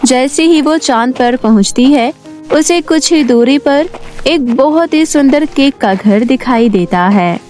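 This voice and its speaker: Female storyteller: fairly high voice, scripted children's tale narration, music underneath. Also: lively intonation, unhurried, a little mellow. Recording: music behind the voice.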